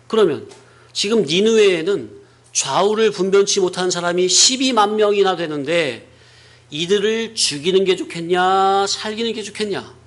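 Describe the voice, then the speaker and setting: Preacher playing God questioning a sulking prophet, patient, deliberate, high-pitched man. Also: close to an everyday voice. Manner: reasoning rhetorical questions.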